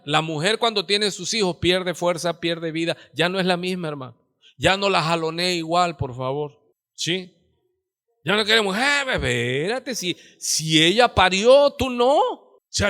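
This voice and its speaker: A male pastor with a Mexican Spanish accent preaching a sermon in church, calling out to the congregation and swinging between loud exclamations and low, hushed asides. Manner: preaching with call-outs to the congregation.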